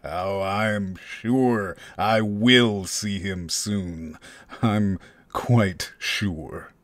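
An actor playing a smug, menacing henchman with oily, drawn-out mock courtesy in an audio drama. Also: on the low side, steady tone. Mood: quiet menace. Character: smug, mocking, menacing male henchman, big and taunting.

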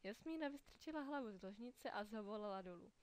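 A woman narrating a children's fairy tale in a clear, even storytelling manner. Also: medium pitch.

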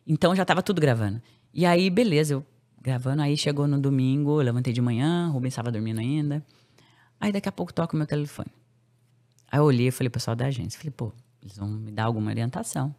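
A woman guest on a podcast, telling a personal story in casual, slangy speech and acting out the quoted lines with big jumps in pitch. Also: fast. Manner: animated, acts out quoted dialogue with sharp pitch jumps; casual slangy speech, many fillers and restarts.

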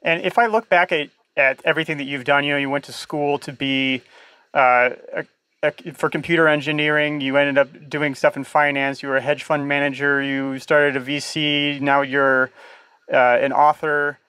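A man hosting a podcast, asking casual interview questions in a halting, thinking-aloud way. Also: a little high, little pitch movement, sharp tone, smooth, no room sound.

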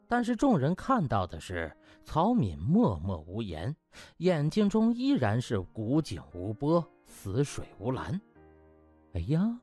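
A man's voice: a little high, darkish tone, breathy edge. A man narrating an audiobook in a dramatic, colloquial storytelling style, theatrical with rhetorical questions and exclamations. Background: background music.

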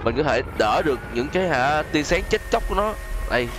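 A man's voice: fairly high pitch, animated, fairly quick. A man hosting a gaming video with casual, chatty gameplay commentary, exclaiming often and addressing viewers as friends. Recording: voice over loud game music and effects.

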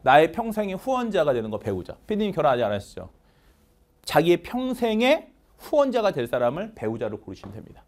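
A man teaching English vocabulary in an online lecture, animated and leading chanted word drills. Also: on the high side, fairly quick.

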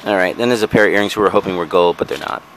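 Low-voiced man rambling about his finds. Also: very fast, background noise. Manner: rambling, frequent ums and self-corrections. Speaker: vlogger showing resale finds. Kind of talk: casual show-and-tell narration. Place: outdoors in a backyard patio.

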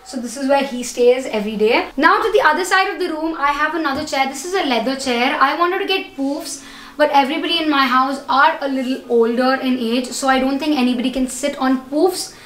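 A woman's voice: high-pitched, a little fast, a bit bright, echoey room. A young woman vlogger giving a casual, enthusiastic tour of her living room to camera. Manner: enthusiastic, gesturing widely while walking around. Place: echoey indoor living room. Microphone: camera-mounted shotgun mic.

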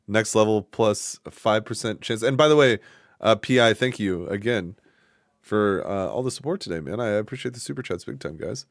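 A man in his thirties hosts a live gaming stream, talking loosely to his chat, rambling and cursing as he plays. His voice sits fairly low, and the sound is dry and close with no room echo. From Washington State. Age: 30s. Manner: loose, profane, rambling, chatting with viewers. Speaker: streamer, host.

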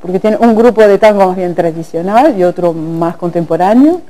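A middle-aged woman conductor, guest on a TV studio talk show, explaining in a calm, measured way. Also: on the low side, rough recording. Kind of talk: casual TV interview. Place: TV studio set at a table.

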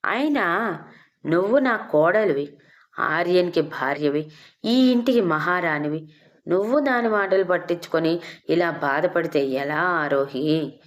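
A woman's voice: lowish voice, expressive, measured pace, pauses often. A woman voicing a caring mother-in-law who consoles her daughter-in-law with kindness. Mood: consoling. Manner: consoling and kind. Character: older mother-in-law, warm and protective.

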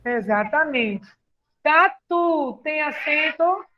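A woman's voice: high-pitched, animated, slow pace, lo-fi sound. A woman teacher with a Brazilian Portuguese accent, patiently explaining a lesson and asking questions. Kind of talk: classroom lesson.

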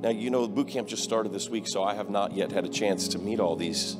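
A man's voice: lowish voice, brisk. A man leading a live stage ministry in an arena, casual as he directs the crowd. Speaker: evangelist host. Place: large indoor arena stage. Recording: live music under the voice. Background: worship music.

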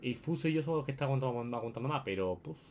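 Rapid-fire and expressive, this young Spanish gaming host chats casually through his gameplay, frequently repeating himself for viewers. His medium-pitched voice is a little mellow, with a bit of hiss or hum in the recording.

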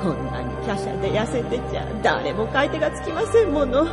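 Kind humble maid, high swoopy voice, apologetic, radio drama with music under it. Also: female voice, huge pitch swings, a little fast. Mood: pleading. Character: kind-hearted, deferential maidservant pleading with her master. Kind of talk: Japanese radio drama acting. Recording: music behind the voice.

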